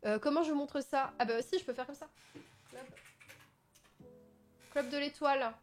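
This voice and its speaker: A playful woman with a high voice hosts a casual livestream, chatting loosely and breaking into excited outbursts. Faint music plays under her voice. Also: normal speed. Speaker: livestream host.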